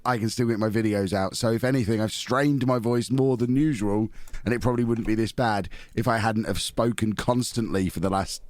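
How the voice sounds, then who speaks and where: A man hosting a casual podcast, his voice hoarse and nearly gone, teasing his co-hosts cheekily. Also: lowish voice, fairly quick, darkish tone, no echo. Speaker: podcast host. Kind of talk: casual chat.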